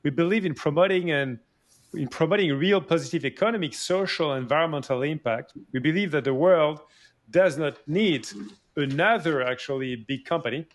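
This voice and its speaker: A man's voice: a little high, normal speed. A man hosting a podcast, asking long, winding questions and cutting in with short yeahs while his guest talks. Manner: rambling questions with many "yeah" and "yes" backchannels. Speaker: podcast host.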